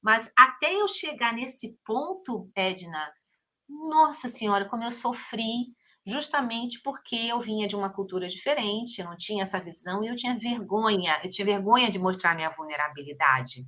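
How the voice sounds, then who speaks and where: A middle-aged woman with a Brazilian Portuguese accent hosts a relaxed podcast chat. Her voice is bright and sharp at a middle pitch. She is effusive and exclaims often. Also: normal speed. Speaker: podcast host. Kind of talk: casual interview chat.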